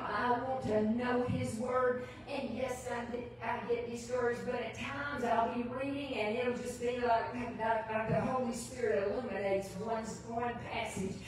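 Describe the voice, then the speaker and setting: An older woman preaches in a very reverberant church hall, picked up from a distance with some background noise. Her voice sits fairly high. She delivers personal Bible teaching in an earnest, emphatic way, often repeating phrases. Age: older, retired. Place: large church sanctuary, indoors. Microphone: distant camera microphone.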